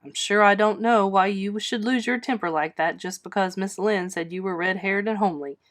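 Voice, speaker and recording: A woman's voice: mid-range voice, moderate pace, natural voice. This is an elderly spinster guardian voiced by a woman from a storybook. She is stern and dry. She scolds firmly, in clipped phrases that allow no argument. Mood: stern scolding.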